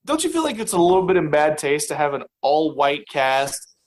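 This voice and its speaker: A man's voice: on the high side, big pitch swings, normal speed, poor audio. A man guest on a podcast, chatting wryly about a film with lots of fillers. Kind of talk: casual film-review chat.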